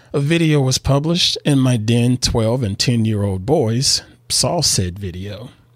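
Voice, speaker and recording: A man speaks in a Southern US accent at a medium pitch. His pace is fairly slow and his intonation lively. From US South. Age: 40s. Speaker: photographer and podcast host. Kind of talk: personal statement.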